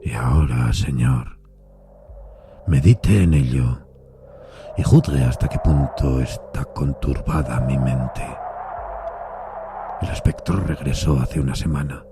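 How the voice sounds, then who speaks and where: A very deep, gravelly haunted signalman. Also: over music, heavily acted. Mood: troubled, insistent. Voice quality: gravelly, husky. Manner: grave, troubled, deliberate storytelling. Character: haunted, anguished railway signalman recounting ghostly apparitions. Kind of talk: dramatised Spanish-language audio fiction.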